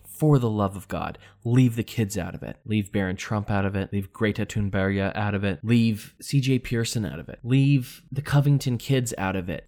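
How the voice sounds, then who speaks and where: A man's voice: lowish voice, darkish tone. A young man hosting a solo commentary podcast, talking in a sarcastic, emphatic, ranting way. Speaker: podcast host.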